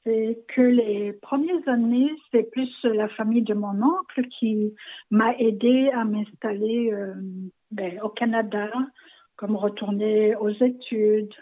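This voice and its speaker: A woman in her fifties from Rwanda, answering interview questions softly and hesitantly, with many pauses. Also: fairly high pitch, fairly even intonation. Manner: soft-spoken, hesitant with frequent pauses. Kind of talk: personal interview. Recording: narrow phone-like audio.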